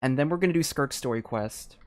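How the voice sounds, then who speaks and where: A game streamer with a medium-pitched voice talks casually through live gameplay. The delivery is hesitant, as thoughts are worked out aloud and sentences often trail off before they finish. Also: fairly quick, darkish tone.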